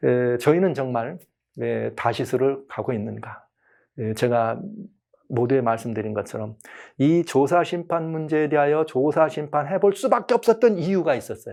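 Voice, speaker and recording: Against a quiet background, a man speaks at a fairly high pitch. His intonation is lively. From Chungcheong, Korea. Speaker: pastor. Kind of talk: sermon. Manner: fast.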